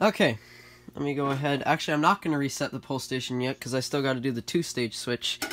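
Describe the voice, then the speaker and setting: A man talks at a very fast pace. His pitch varies in an ordinary way over noticeable background noise. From Canada. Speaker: YouTuber, fire alarm hobbyist. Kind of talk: casual video demonstration; casual hobby demo narration. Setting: home, on a Skype call. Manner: casual with frequent fillers. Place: home room. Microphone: phone near.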